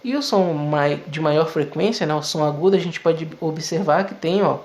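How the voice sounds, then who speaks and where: A man's voice: fairly high pitch, normal speed, darkish tone. A man teaching physics in a video lesson, explaining step by step in a conversational way with frequent tag questions.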